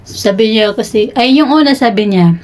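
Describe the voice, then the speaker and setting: A woman's voice: fairly high pitch, moderate pace, a little mellow. A young woman with a Filipino accent, chatting casually in a vlog and telling a story with giggles and lots of fillers; she sounds sleepy. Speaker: vlogger.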